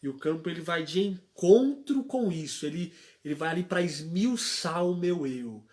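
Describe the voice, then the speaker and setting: A man's voice: on the high side, expressive, normal speed, a little mellow. A young man, a church worker, giving a religious testimony on a live stream, telling stories and asking rhetorical questions like a preacher. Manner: storytelling, acts out quoted voices.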